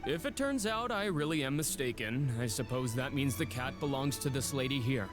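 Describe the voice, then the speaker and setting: A man's voice: mid-range voice, animated, moderate pace, lightly acted. A man voicing a polite shelter director. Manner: polite, formal, apologetic. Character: courteous male shelter director, polite and apologetic. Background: game music.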